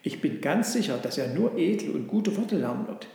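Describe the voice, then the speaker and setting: A man voicing a slow, gentle black cow in a storybook reading, calm and rumbling. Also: close to an everyday voice. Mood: warm. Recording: echoey hall, long reverb.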